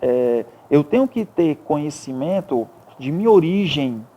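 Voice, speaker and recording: Male host, mellow reflective tone. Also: fairly high pitch, lively intonation, unhurried, dull audio. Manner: reflective, affirming, builds on the guest's points. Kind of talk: TV interview hosting. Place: TV studio.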